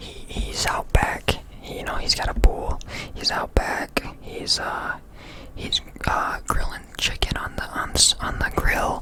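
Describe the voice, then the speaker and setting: A man is whispering at a very slow pace. Noticeable background noise sits behind him. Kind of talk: ASMR story time, casual personal storytelling. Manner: whispered, soft, rambling.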